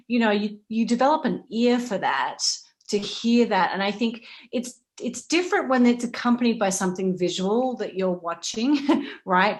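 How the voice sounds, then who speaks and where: Woman talking animatedly on a panel. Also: mid-range voice. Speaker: panelist, playwriting teacher. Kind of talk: informal panel discussion.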